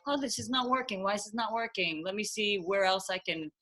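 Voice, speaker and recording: A woman's voice: medium pitch, steady tone, a little fast, bright, forceful tone. A woman from Denmark, raised in Israel, who works as a theatre director and actress, talking casually on a video call and thinking aloud as she goes. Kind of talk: casual interview chat.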